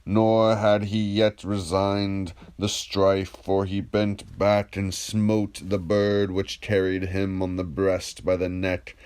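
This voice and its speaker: A man reading the part of a patient, ironic, probing philosopher in a dramatised dialogue, in a measured, declamatory, questioning manner. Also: sits low, flat delivery, a little mellow, smooth. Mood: solemn recitation.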